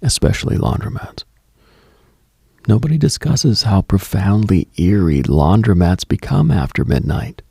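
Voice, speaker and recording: Slow, deep, gravelly man, late-night host. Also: lively intonation, dry recording, studio quality. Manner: hushed, contemplative, brooding delivery. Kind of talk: scripted late-night mystical radio monologue.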